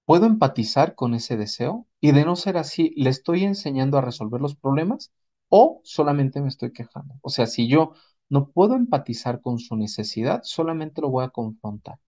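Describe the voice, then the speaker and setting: This man, a Mexican-accented psychotherapist, walks listeners through a parenting talk step by step, using acted examples and rhetorical questions to teach. His voice is warm and relaxed, average in pitch, at normal speed, though the sound is slightly dull.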